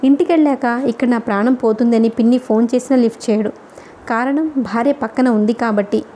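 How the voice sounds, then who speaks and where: A woman voicing a thoughtful young woman student who speaks in a steady, reflective way. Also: on the high side, fairly quick, a little hiss or hum, lightly acted. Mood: calm, reflective.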